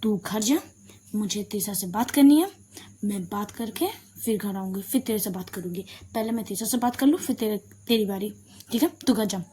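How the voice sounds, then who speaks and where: A woman's voice: mid-range voice, moderate pace, mellow, slight background noise, natural voice. A woman voicing a strict older sister in a spoken love story, commanding and scolding.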